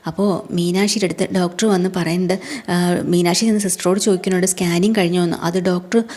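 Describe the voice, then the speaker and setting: A woman's voice: on the low side, steady tone, quick pace, a little mellow. A woman casually retelling a television serial episode, chatty and colloquial with frequent tag words and fillers. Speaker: serial recap narrator. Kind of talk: casual spoken story recap.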